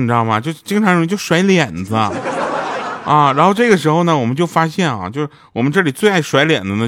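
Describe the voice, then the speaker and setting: A man's voice: medium pitch, background noise. A man hosting a comedic podcast, joking and mocking himself, often laughing as he talks. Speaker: podcast host. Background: background music.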